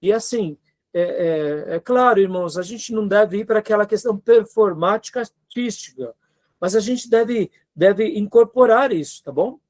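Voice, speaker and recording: A man's voice: high-pitched, moderate pace, darkish tone. A man with a Brazilian Portuguese accent giving an earnest seminary lecture, asking rhetorical questions and checking in with his students. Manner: earnest, exhorting, asks rhetorical questions, frequent tag questions. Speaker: seminary teacher.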